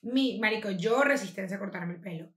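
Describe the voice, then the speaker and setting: A woman's voice: mid-range voice, fairly quick, roomy sound. A young adult woman with a Venezuelan accent, co-hosting a podcast and telling stories in a casual chat, packed with slang. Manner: animated storytelling, heavy slang. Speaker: podcast co-host.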